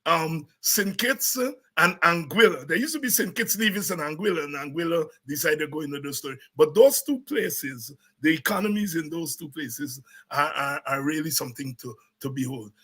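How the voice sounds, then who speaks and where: A man's voice: fairly high pitch, expressive, normal speed, few pauses, pushed and bright, husky. A Guyanese man hosting a live show, chatting casually, greeting viewers by name and repeating his words as he rambles. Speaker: host.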